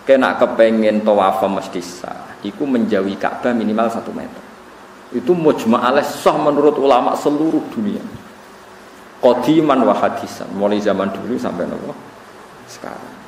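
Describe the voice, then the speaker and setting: Javanese cleric giving an animated lecture. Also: male voice, lowish voice, moderate pace. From Central Java, Indonesia. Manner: animated storytelling with chuckling asides. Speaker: Islamic scholar teaching Quran commentary. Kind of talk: religious study lecture. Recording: roomy, distant recording with faint hum.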